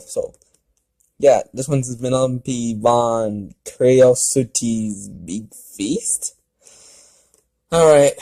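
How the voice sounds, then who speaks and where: A man's voice: mid-range voice, dark tone, poor audio. A man casually reading a story aloud and commenting as an amateur video host, often stumbling over and repeating his words. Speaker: amateur fan fiction reader and video host.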